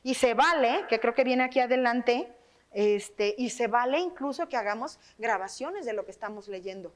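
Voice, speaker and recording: A woman's voice: on the high side, moderate pace, a little hiss or hum. A woman with a Mexican accent leading a workshop for teachers, talking with a trained, projected voice and often checking in with her listeners. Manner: lively, tags phrases with questions to the audience. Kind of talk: teaching workshop on reading aloud. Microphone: microphone.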